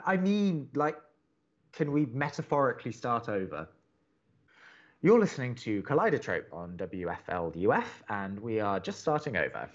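An earnest young theatre buff hosting college radio in an audio drama. He is wordy and opinionated, stumbling a little as he goes, at a middling male pitch. The sound is slightly dull and muffled. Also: very animated, moderate pace. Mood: flustered, then reluctant, exasperated. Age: young adult. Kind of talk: audio drama acting, conversational radio banter.

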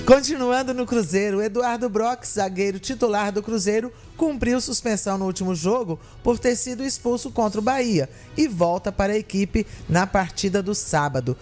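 A woman's voice: mid-range voice, normal speed, hardly any pauses, darkish tone, soft background music. A woman presenting sports news on the radio, reading the items steadily with brief asides. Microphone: studio mic with headphones.

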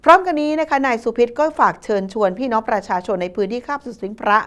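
A woman's voice: fairly high pitch, animated, very fast, fairly bright tone, clear, resonant tone. Woman reading a scripted news report. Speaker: news presenter.

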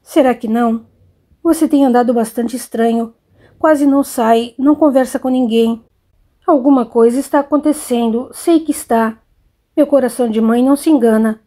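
A worried, gentle mother in an audiobook, voiced by a woman reader, coaxing and questioning softly in a somewhat high, mellow voice. She sounds caring and persistent. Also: normal speed, close to an everyday voice. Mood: concerned.

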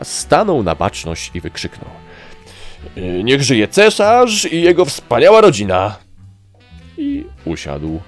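A man reading a fantasy audiobook aloud in a lively, expressive way. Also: low voice, vocal fry. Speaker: audiobook narrator. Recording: faint background music.

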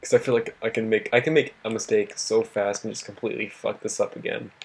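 A young man with a husky, worn voice that he is losing, giving casual gameplay commentary, swearing and talking to himself. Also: on the low side, flat delivery, fast. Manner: swears a lot, laughs often, talks to himself. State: losing his voice. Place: home at night.

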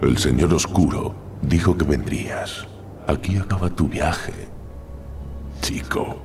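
Very deep demonic dark lord. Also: male voice, soft background music. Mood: menacing, gloating. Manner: dark lord, ominous and slow-menacing. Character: menacing male demon dark lord, gloating. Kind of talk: video game character acting. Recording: noisy game cutscene audio.

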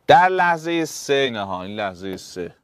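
Smooth-voiced man teaching physics. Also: mid-range voice, big pitch swings, no echo, studio quality. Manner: explains step by step, addresses students directly. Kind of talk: exam problem walkthrough.

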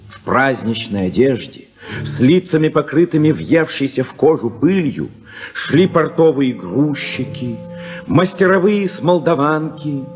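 A man narrating a 1950s radio play in a slow, measured storytelling manner, heard as an old radio recording. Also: on the high side.

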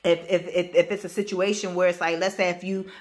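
Loud blunt woman with AAVE speech. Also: fairly low pitch, little pitch movement, a little fast, soft background music. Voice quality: loud, powerful voice. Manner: blunt, emphatic, swears freely, many restarts. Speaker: spiritual channeler giving a reading. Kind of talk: casual spoken reading to camera.

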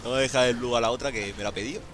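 A man giving excited gameplay commentary as a streamer, exclaiming, laughing and swearing often. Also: mid-range voice, very fast, slight background noise. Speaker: gaming streamer.

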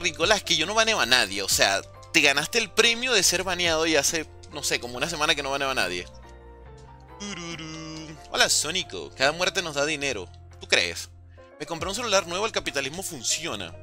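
Man, game streamer, live commentary, excitable, bright voice, animated pitch, faint background music. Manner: excitable, yelps and repeated cries of alarm; chatty with viewers, thanks donors. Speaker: streamer playing a zombies game. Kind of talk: live gameplay commentary, reading chat.

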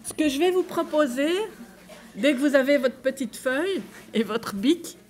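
This Belgian French-accented woman has a high, expressive voice with a darkish tone and a normal pace. Presenting a conference talk to a live crowd, she chats directly with the audience and reads case examples aloud.

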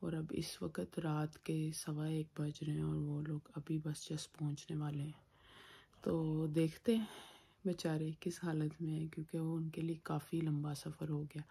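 A woman in her thirties hosting a casual vlog with a husky voice, talking to a phone at home. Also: low voice, level tone, normal speed, dark tone. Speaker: vlog host. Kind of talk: casual vlog chat to camera. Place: living room at home. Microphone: phone at arm's length.

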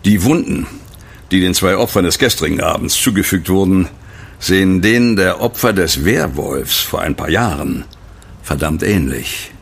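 A grave, suspicious investigator in a horror audio drama. His voice is deep, very husky and full of gravel. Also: animated, normal speed, exaggerated voice. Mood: grave suspicion.

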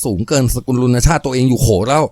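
A man's voice: medium pitch, fairly even intonation, fast talker, darkish tone, no echo, close to an everyday voice. A man voicing a coarse, hot-tempered farm foreman who snarls crude threats. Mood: mocking.

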